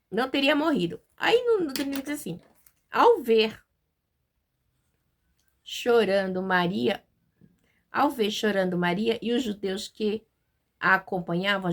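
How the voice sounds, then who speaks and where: A woman with a Brazilian Portuguese accent giving an informal devotional Bible talk, chatty, with many fillers and tag questions, and reading verses slowly. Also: on the high side. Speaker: Bible teacher.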